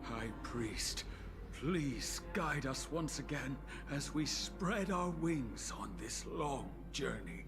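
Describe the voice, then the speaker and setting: A man voicing a remorseful tribal priest in a game, wavering between anguish and quiet resignation. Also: mid-range voice, animated, slow. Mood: resigned. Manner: anguished and self-reproaching, then quiet and resigned. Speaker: game character. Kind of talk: game voice acting. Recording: game music behind the voice.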